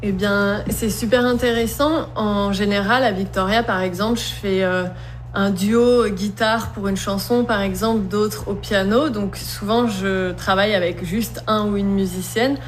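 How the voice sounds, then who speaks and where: A woman's voice: medium pitch, steady tone, a little slow. Earnest woman slam poet, faint hum. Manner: thoughtful, earnest, many fillers. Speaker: slam poet and singer, program participant. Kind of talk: interview answers.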